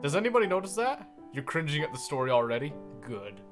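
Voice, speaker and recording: A young man streaming a visual novel, reading the text aloud and joking about it in an animated way. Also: fairly high pitch, quick pace. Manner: animated, jokey, reads game text aloud. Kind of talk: game playthrough, reading aloud and commenting. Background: faint piano game music.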